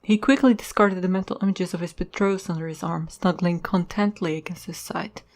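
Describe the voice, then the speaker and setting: A woman's voice: fairly low pitch, steady tone, brisk, darkish tone. A woman hosting and narrating a podcast, reading in a scripted style. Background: music.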